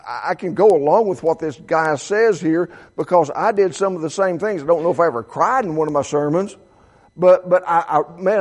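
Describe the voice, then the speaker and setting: The speaker is a male pastor of about seventy whose voice sits on the high side and sounds a little mellow. Preaching, he reads out quotations and keeps tripping over his words and restarting.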